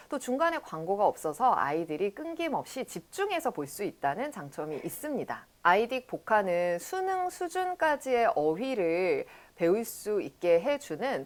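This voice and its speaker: A woman host with smooth announcer delivery, introducing a service and then asking questions. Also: fairly high pitch. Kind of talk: interview, scripted product intro.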